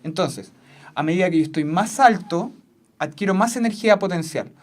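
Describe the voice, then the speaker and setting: A substitute physics teacher gives a classroom lesson at a whiteboard. The teacher repeats each key point several times, keeps checking in with the class, and laughs easily. The voice sits at a middle pitch. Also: lively intonation, normal speed.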